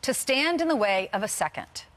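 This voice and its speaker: A woman co-hosting a morning news show in a TV studio, reading an introduction with a smooth, scripted delivery. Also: fairly high pitch, lively intonation, moderate pace, a bit bright. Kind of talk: news presenting.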